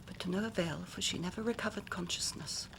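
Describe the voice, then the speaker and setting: An actress playing a young woman who earnestly recounts a tragedy to a detective, often dropping to a hush. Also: on the low side, a little fast, background noise, lightly acted. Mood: grave. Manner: earnest, dramatic storytelling with hushed passages. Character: young woman recounting her sister's death. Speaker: client telling her story. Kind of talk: radio drama acting.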